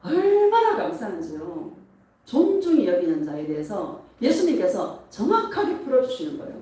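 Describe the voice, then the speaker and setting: A woman pastor preaching a sermon in a church, emotional and animated, often laughing as she speaks. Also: a little high. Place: church sanctuary. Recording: echoey church hall, mic at a distance.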